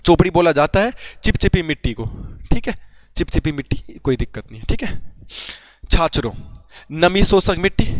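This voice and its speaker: With a fairly high-pitched voice and no echo, this young Garhwali man from Uttarakhand gives a casual exam-prep lesson. He's chatty and keeps asking questions he then answers himself.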